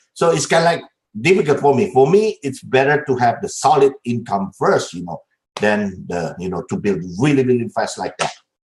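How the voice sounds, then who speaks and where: Speaking at a moderate pace with an Indonesian accent, a man shows vocal fry and very wide pitch swings. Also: medium pitch for a man. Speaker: network marketing distributor, former business owner. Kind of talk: interview. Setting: live webinar. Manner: halting, hesitant.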